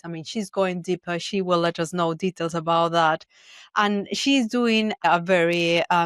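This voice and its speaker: A woman hosting a podcast interview, speaking in a measured way and often pausing to search for words. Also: medium pitch, smooth, no room sound, studio quality. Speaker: podcast host. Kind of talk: conversational interview.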